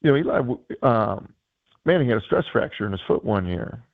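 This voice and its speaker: A man with a hoarse, worn-out voice talks football as a guest coach, circling his points with endless fillers and restarts. His low, gravelly tone comes through a thin, tinny phone line. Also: very animated, a little fast, no room sound. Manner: rambling, many fillers and restarts. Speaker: guest analyst and high school coach. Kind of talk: casual sports radio chat.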